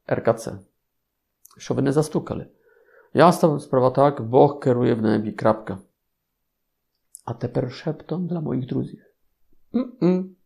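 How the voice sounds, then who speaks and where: Slow, gravelly friar with Polish accent. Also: male voice, mid-range voice, darkish tone. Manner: playful, ironic asides to listeners. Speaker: Capuchin friar preacher. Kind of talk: informal sermon talk.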